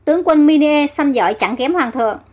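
A woman voicing a loyal royal servant who speaks in a flustered, excited way, in a storybook reading. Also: high-pitched, brisk.

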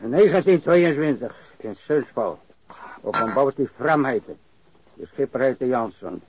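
An actor playing a crusty old warehouse worker and ex-sailor who grumbles and rambles bluntly, in a radio drama. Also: male voice, mid-range voice, expressive, unhurried, a crowd in the background, natural voice. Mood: gruff. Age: older. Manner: grumbling, rambling, cursing, repeats himself. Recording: dry, dull lo-fi radio recording.

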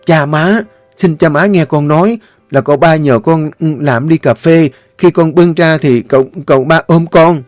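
A man's voice: medium pitch, no room sound, faint music behind, voice pushed up, natural voice. A man playing a fiery young wife. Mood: furious. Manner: sharp, indignant, fast retorts. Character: spirited young wife, daughter-in-law of a rich house.

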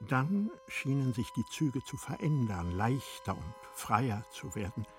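A man narrating a literary audio drama in a measured, expressive storytelling manner. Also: medium pitch, faint music behind.

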